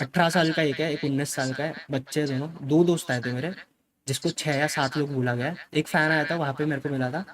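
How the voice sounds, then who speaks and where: Young man talking emphatically to viewers. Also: fairly high pitch. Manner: mixes Hindi with English phrases; emphatic, keeps repeating "okay" as a filler. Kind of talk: casual spoken account to viewers.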